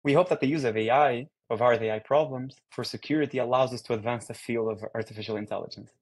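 A young man from Portugal gives a research talk over a video call. His voice sits at a middle pitch. He talks in an easygoing, upbeat way, with fillers and quick restarts. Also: fairly even intonation, breathy edge. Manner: casual, upbeat presenter with frequent fillers. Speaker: guest speaker.

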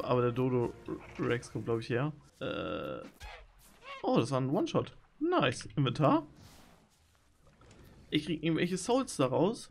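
A young man streaming a video game, talking to his viewers and reacting loudly to the action. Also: medium pitch. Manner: excitable, swings between shouting and muttering. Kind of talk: live gaming commentary.

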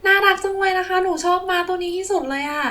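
A woman plays a sweet little girl in a toy play, with a very high voice. She is eager and polite, and exclaims excitedly. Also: fast. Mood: delighted. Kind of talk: children's toy play storytelling.

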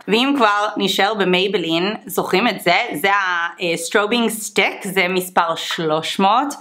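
A woman's voice: mid-range voice, a bit bright. Chatty woman vlogging makeup. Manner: chatty, mixes in English exclamations. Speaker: beauty vlogger. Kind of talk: casual makeup tutorial chat.

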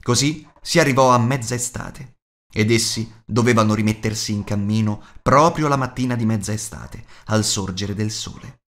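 A man reads an audiobook as narrator, in an expressive scripted storytelling style. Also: fairly low pitch, normal speed.

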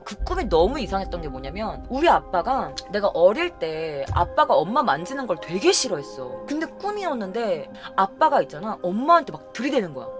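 A young woman streamer recounts personal stories in casual chat, her voice swinging up and down as she acts out what she once said. She talks quickly, with a soft bed of music behind her. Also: mid-range voice. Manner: emotional, animated, acts out her own quoted lines. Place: home streaming room.

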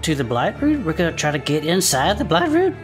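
A woman playing an excitable, loyal adventurer in an actual-play audio drama, with casual, slangy speech. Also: low-pitched, fairly quick. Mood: excited. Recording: music bed underneath.

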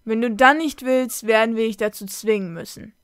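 A woman voicing a determined male white wolf in a storybook, who speaks loudly and firmly. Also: on the high side, normal speed, dry recording, studio quality, lightly acted. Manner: loud and firm.

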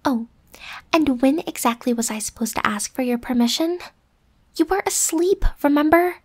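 High-pitched bossy tsundere roommate played by a woman. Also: lively intonation, normal speed. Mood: exasperated, defensive. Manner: huffy, bossy, with breathy whispered asides. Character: bossy, defensive tsundere young woman roommate, secretly affectionate. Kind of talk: ASMR roleplay acting.

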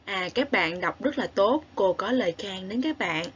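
A woman with a southern Vietnamese accent teaching a recorded lesson to young children, spelling sounds aloud clearly and praising the class. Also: medium pitch, expressive, normal speed, fairly bright tone, lo-fi sound. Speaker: primary school teacher.

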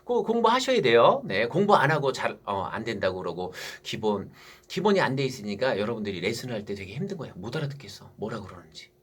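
Husky-voiced male music teacher. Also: medium pitch, sing-song, fast talker, fairly bright tone. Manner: talks to students, asks and answers his own questions. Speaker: saxophone teacher. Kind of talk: music theory lesson.

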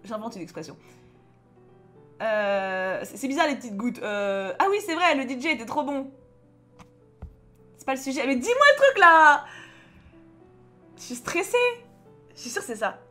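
A young adult woman with a French accent, chatting and joking loudly as she plays and reads a story game aloud. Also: a little high, moderate pace, long pauses, soft background music. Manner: chatty, expressive, joking, swings between loud outbursts and mutters. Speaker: streamer playing a story game. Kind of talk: casual gameplay commentary, reading game dialogue aloud.

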